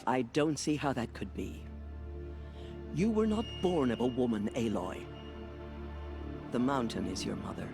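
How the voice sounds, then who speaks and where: A creaky-voiced, stern tribal authority in a game. The speech is solemn and declarative, with lively pitch movement over music. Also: male voice, unhurried, long pauses. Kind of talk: video game cutscene acting.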